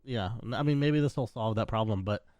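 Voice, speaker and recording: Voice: medium pitch, a little fast, a little mellow, no echo, muffled recording. A co-host of a gaming podcast chatting casually in a laid-back, hedging way with lots of fillers.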